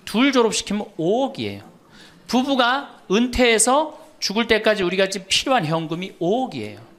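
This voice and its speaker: A man's voice: high voice, big pitch swings, normal speed, fairly bright tone. A middle-aged man, a Catholic priest, giving a humorous lecture and telling stories to an audience. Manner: storytelling, quoting others, teasing the audience.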